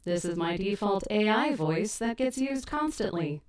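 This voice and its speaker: An audio drama creator hosts a laid-back editing livestream, chatting, laughing often and poking fun at herself. Her voice is mid-range, animated and darkish, at a moderate pace, caught by a distant stream mic in an echoey space.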